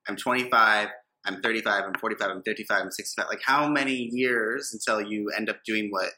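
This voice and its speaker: A man's voice: lowish voice, fairly even intonation, a little fast, sharp tone, low-quality recording. A man co-hosting a podcast, giving blunt motivational talk with some swearing. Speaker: podcast co-host. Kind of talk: casual chat.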